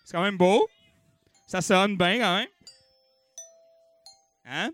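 A man's voice: sits high, slow pace, no echo, soft background music. A young Québécois man hosting a comedy-night auction, bellowing bids and cracking jokes between them. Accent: Québécois French. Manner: bouncy and animated, bellowing bids, jokey asides. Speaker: auctioneer and comedy show host.

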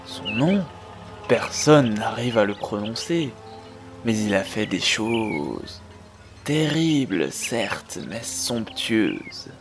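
A man voicing a mysterious old shopkeeper who speaks in a drawn-out, ominous way, in a fan cartoon dub. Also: fairly low pitch, big pitch swings, over music, exaggerated voice. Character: slow, mysterious old male headband seller.

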